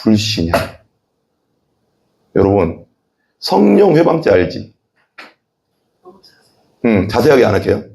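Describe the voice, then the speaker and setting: This male pastor preaches slowly in a fairly low, gravelly voice, pausing often. He is animated, acting out the voices in quoted dialogue himself, and asks the congregation questions and has them repeat.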